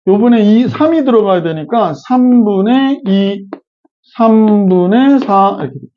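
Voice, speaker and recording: A man's voice: high-pitched, lively intonation, a little slow, muffled recording, slight background noise. A middle-aged man teaching math in a classroom lecture, chatty and often checking in with his students. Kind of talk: classroom lecture with casual digressions.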